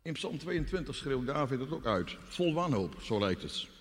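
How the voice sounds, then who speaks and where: A man preaching a sermon in an earnest, dramatic way, dropping quiet and then crying out. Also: very animated, normal speed, long reverb tail. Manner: earnest, dramatic, with deep quiet drops and sudden cries.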